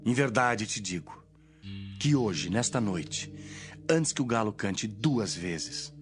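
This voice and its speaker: A man's voice: fairly low pitch, lively intonation. Solemn male Jesus, voiced by an actor over music. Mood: grave, prophetic. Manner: solemn, measured declamation. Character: Jesus, solemn, authoritative adult male teacher. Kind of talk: dramatised Bible reading.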